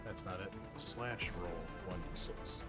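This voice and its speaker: A man's voice: sits low, a little slow, over music. A man working as game master, narrating and refereeing a tabletop roleplaying game in a casual way.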